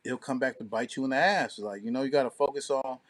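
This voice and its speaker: A man's voice: medium pitch, fast talker. Slangy, opinionated man chatting on a podcast. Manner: slangy, opinionated, emphatic talk with heavy profanity. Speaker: podcast co-host and DJ. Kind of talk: casual podcast conversation.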